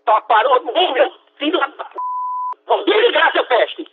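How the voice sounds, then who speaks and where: A man's voice: very high voice, huge pitch swings, slow, music in the background. A man heard over a landline phone, speaking bluntly as the target of a prank call. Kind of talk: phone conversation. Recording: tinny phone line on a radio prank call.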